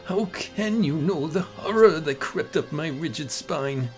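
A woman giving a dramatic first-person horror narration in a theatrical, anguished, deliberate manner. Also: low voice, animated. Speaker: amateur story narrator. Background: music.

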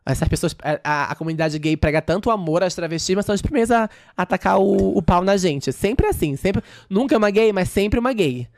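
In a podcast studio, a trans woman who dances recounts a story as a guest in a casual interview, quickly and vividly performing other people's quoted lines. Her voice is mid-range, and the recording is dry and studio quality.

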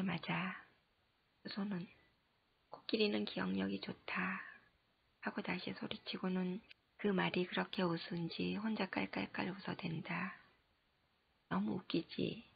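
A woman narrating an audiobook in a soft, half-whispered reading voice, on a dull lo-fi recording. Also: on the low side, creaky, slightly rough.

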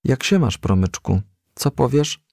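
A man voicing a shy young female firefly who speaks in a halting, bashful way in a storybook. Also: medium pitch, animated, creaky, a little mellow, dry recording, clean studio sound, pitched above the performer's own voice.

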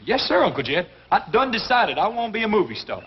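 Brief: dopey, eager country boy, young man, twang, wildly swooping pitch, dull old TV sound. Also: sing-song, quick pace. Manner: earnest, naive, bumbling. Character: dim-witted, eager young backwoods nephew. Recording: dull 1960s TV audio with hiss.

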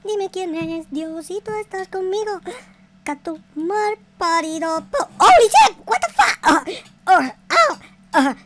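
A woman's voice: extremely high pitch, sing-song, slow pace, fairly bright tone. A woman hosting a gaming video, giving theatrical, slangy, profane Minecraft roleplay commentary full of exclamations. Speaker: gaming video creator and host.

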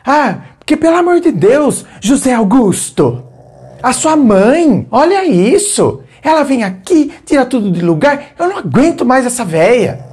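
A man voicing an exasperated wife with a Brazilian accent, nagging her husband in a shrill, high voice about his mother. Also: big pitch swings, measured pace, a little mellow, husky, full character voice.

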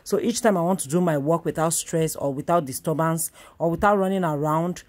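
A woman's voice: low-pitched, brisk, a little mellow. A woman in her thirties with a Nigerian accent, chatting casually to camera in a home vlog, repeating herself as she goes. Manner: chatty, repeats herself, playful bursts of self-praise. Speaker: vlogger and mother. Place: small home kitchen indoors. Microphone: camera on tripod. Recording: noisy home camera recording.

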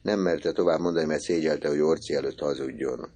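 Deep, dark-voiced male narrator. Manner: measured, expressive reading. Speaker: audiobook narrator. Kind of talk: literary audiobook narration.

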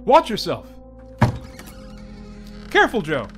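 A woman's voice: medium pitch, huge pitch swings, slow, over music. Woman acting a brusque, swooping county sheriff. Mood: brusque, commanding. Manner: folksy, brusque, commanding. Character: gruff, take-charge county sheriff. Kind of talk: old-time radio drama acting.

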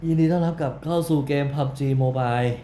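A man giving loud, rowdy live commentary while playing a shooter game, swearing and yelling during fights. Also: mid-range voice, fairly quick. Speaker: gameplay streamer. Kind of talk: casual live gameplay commentary. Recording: echoey room with faint game noise. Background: gunfire from the game.

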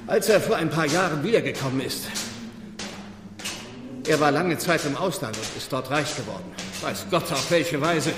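Echoing, higher-voiced pious reverend played by a man. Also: lightly acted. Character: pious village reverend, male, earnest, self-righteous, guarded. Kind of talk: German radio play acting. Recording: echoey stone church space, noisy background.

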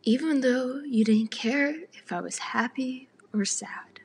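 Teenage girl, fairly high voice, breathy half-whispers, spoken word recitation. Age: teens. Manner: slow and deliberate, partly whispered.

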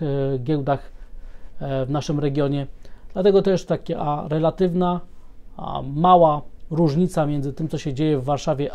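A man presenting a market commentary to viewers, explaining in a measured way, often pausing on filler sounds and restarting phrases. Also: a little high, dark tone.

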